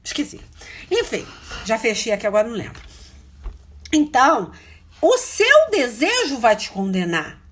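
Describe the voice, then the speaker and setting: A woman preaching an informal sermon, chatty and self-interrupting, tagging phrases with quick questions. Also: fairly high pitch, huge pitch swings. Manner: chatty, hunts for verses aloud, frequent "né?" tags. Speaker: missionary preacher.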